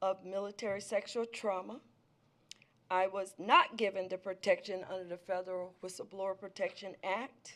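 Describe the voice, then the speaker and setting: A woman speaks at a moderate pace with a medium-pitched voice. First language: not English. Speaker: veteran and nonprofit founder, public commenter. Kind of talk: public comment at council meeting. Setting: council chambers.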